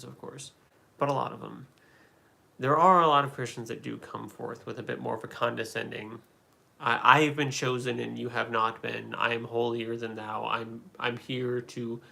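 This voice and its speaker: A man's voice: medium pitch, creaky, sharp tone. A man hosting a livestream, chatting casually and answering comments, rambling with many fillers and restarts. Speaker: livestream host answering chat.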